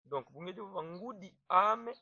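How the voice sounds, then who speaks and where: A man teaches a grammar lesson, speaking deliberately and repeating words for emphasis. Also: sits high, lively intonation, bright, forceful tone. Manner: slow, deliberate, repeats words to stress them. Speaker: language teacher. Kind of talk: explaining grammar to viewers. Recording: dull, slightly muffled dry sound.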